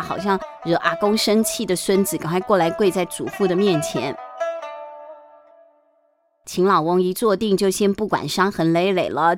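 A woman reading a picture book aloud to children as a bedtime storyteller, lively and chatty, often asking the kids questions. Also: medium pitch. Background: background music.

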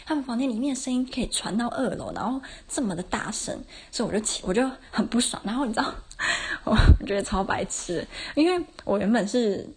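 A woman's voice: fairly high pitch, big pitch swings, fast talker, slight background noise. A woman, hosting a casual solo podcast and telling self-mocking stories with plenty of laughs. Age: 20s. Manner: chatty, self-mocking anecdotes with frequent laughs. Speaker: podcast host.

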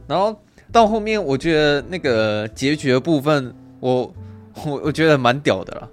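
A man's voice: fairly high pitch, animated, normal speed, soft background music. A man, co-hosting a casual film chat, laughing often, swearing now and then and acting out quotes. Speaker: podcast co-host.

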